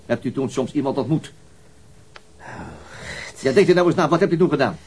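A man's voice: medium pitch, fairly quick, darkish tone, slightly rough, natural voice. An actor playing a stern, methodical male police interrogator in a radio crime drama, with clipped, formal and insistent questioning.

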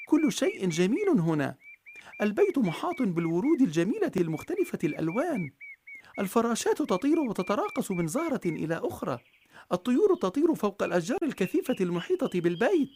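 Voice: medium pitch, big pitch swings, fast talker, a little mellow, slight background noise, voice pushed up. A storyteller doing Marjana, a timid little girl. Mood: amazed. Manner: anxious, pleading.

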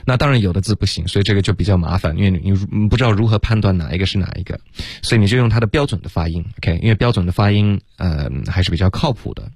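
This man speaks in a deep, low voice in a dead-dry studio. He is a radio English teacher who explains pronunciation in a loose, relaxed way. He peppers his talk with English fillers and drags out sample words to demonstrate them. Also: husky, dry recording. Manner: relaxed, sprinkles English fillers like OK and right, demonstrates sounds slowly.

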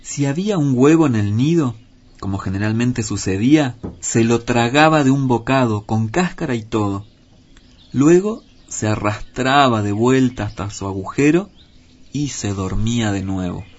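Man, storyteller, measured expressive reading, mid-pitched, dull lo-fi sound, faint hiss. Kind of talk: reading a children's story aloud.

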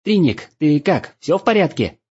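A man's voice: fairly high pitch, sing-song, moderate pace, a little mellow, husky, voice pushed up. A man voicing an impatient, grumbling male elf adventurer. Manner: grumbling, whiny. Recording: dull lo-fi recording.

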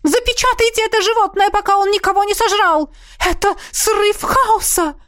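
A woman's voice: moderate pace, a bit bright, no room sound, studio quality. A woman voicing a fat, shrieking noblewoman in a red dress. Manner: shrill, hysterical.

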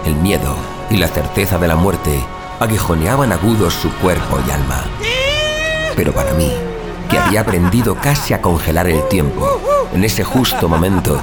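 A man's voice: sits low, huge pitch swings, normal speed, loud music behind the voice. A man playing a sadistic, darkly gleeful young vigilante killer who narrates a horror audio drama in a savoring, sardonic, literary way.

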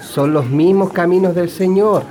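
A gentle, fatherly parish priest, voiced by a man, who speaks with warm encouragement to the young people around him. He sounds like a character in a community radio play. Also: sits high, a little slow, a faint crowd, a little hiss or hum. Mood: kindly. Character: kindly middle-aged parish priest. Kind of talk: radio drama acting.

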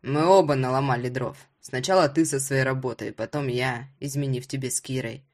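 A woman voicing a smug, mocking father who has been drinking, in a low drawling voice. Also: fairly quick, a little mellow.

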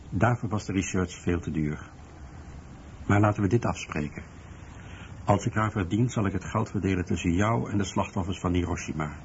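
A man playing a sober researcher and author, telling his recollections in a measured, literary way as in a radio drama. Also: sits low, a little mellow. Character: male researcher and author, sober, recalling his last meeting. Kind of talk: scripted first-person narration in a radio documentary drama. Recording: muffled radio recording with background noise.

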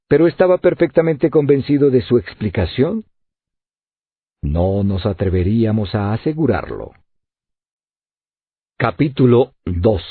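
A man reading a novel aloud as an audiobook narrator, in an expressive way. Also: mid-range voice, slightly rough, dry recording. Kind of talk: scripted narration. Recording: tinny phone-like lo-fi audio.

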